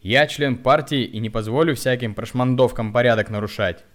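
A man's voice: medium pitch, moderate pace, fairly bright tone, pitched above the performer's own voice, close to an everyday voice. A man voicing a short, hunchbacked man who barks threats and commands. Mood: angry barking. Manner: gruff, barking commands.

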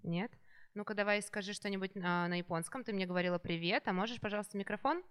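A woman who is a hospital teacher hosting a podcast, patiently prompting children with gentle follow-up questions. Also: mid-range voice, quick pace, smooth. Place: children's rehabilitation centre.

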